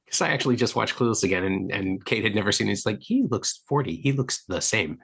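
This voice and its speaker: A man's voice: fairly low pitch, lively intonation, brisk, vocal fry, a bit bright, breathy edge. A man in his fifties hosting a podcast, chatting casually about films in a wry, talkative way. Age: 50s. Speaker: podcast host. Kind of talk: casual film chat.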